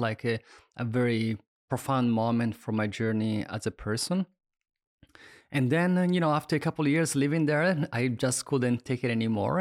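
Italian-accented man, relaxed storyteller. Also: mid-range voice. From Somalia, raised in Italy. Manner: relaxed, reflective, with frequent fillers and chuckles. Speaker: chef and cooking instructor, guest. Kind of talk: casual interview storytelling.

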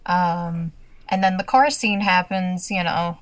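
A woman's voice: fairly low pitch, slow. A young adult woman co-hosting a casual TV recap podcast, talking with lots of laughs and acted-out quotes. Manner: chatty, laughs often, acts out quotes. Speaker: podcast co-host.

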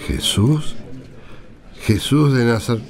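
Actor as a slow-talking, insistent old man. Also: mid-range voice, creaky, soft background music. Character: old village man Jacob, stubbornly proclaiming a prophet. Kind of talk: radio drama acting.

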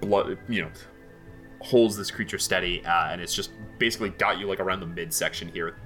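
A man's voice: sits low, fairly quick, a bit bright, faint music behind. A man running a tabletop game as game master, narrating loosely with many fillers.

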